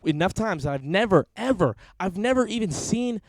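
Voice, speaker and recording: A man's voice: sits high, no echo. A young American man co-hosting a casual podcast, swearing and laughing often as he chats and reads the live chat. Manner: profane, laughs often, fast and animated. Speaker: podcast co-host.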